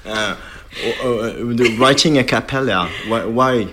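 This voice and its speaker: A man interviewing a singer on the radio, asking questions hesitantly with many pauses and "uh"s. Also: mid-range voice, background noise.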